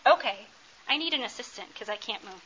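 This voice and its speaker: A woman's voice: a little high, expressive, a little fast, sharp tone, lo-fi sound. A woman presenting an interactive talk, quizzing the audience and doing playful, teasing crowd work. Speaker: workshop presenter.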